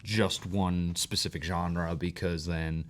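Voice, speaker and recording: Male podcast regular, lower register, loose rambling chatter. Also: level tone, slow. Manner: rambling, heavy use of "like". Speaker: podcast regular, Bills fan. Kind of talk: casual podcast chat.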